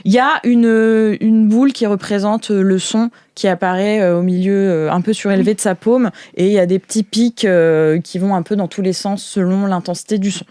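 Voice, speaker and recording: A woman's voice: medium pitch, steady tone, moderate pace, few pauses, dark tone, clean tone, no echo. A woman game master improvising a story at the table. She tells it informally, feeling for words as she goes, with a mid-range voice in a close, dry recording. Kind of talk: improvised narration of a tabletop role-playing game.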